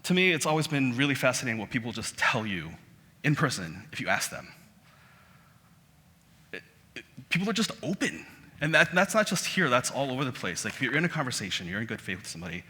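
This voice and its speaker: A man's voice: medium pitch, sing-song, quick pace, pauses often, pushed and bright. Man giving a casual lecture in a hall. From South Korea. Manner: conversational, self-deprecating, many restarts. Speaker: guest lecturer. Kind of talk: public lecture. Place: auditorium. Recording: hall reverb.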